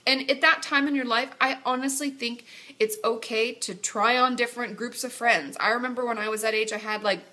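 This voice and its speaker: A woman's voice: fairly high pitch, brisk, pushed and bright. Nasal, congested young woman vlogging. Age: young adult. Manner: chatty, direct, reassuring advice. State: stuffy nose from a cold. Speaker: therapist answering viewer questions. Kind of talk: casual vlog Q&A. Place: small dim room indoors. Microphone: webcam at close range.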